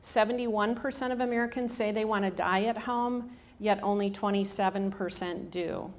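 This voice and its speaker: With a mid-range voice at normal speed, a woman in her fifties from hospice staff gives an informal talk to a live audience in a room. She has a strong Michigan accent and frequently says um and starts over.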